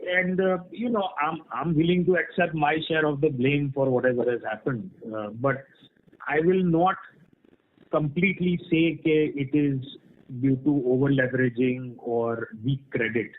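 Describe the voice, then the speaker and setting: On a muffled, band-limited conference call line, a man with a somewhat high voice speaks at normal speed. He's a company executive fielding analysts' questions in an earnings call Q&A, explaining frankly and off the cuff and often checking with "right?"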